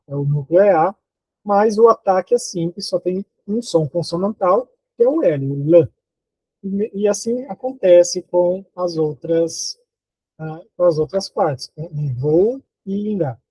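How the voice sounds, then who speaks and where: A Brazilian Portuguese-speaking man teaching an online phonology lesson, slow and deliberate, counting syllables aloud and asking his students rhetorical questions. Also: on the high side, darkish tone, slightly rough, no echo, low-quality recording. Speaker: university teacher.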